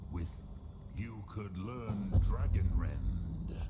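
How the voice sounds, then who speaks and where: Loud background noise runs under the recording. A man uses a put-on character voice with a very deep, low pitch. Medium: video game. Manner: slow, grave, ceremonial.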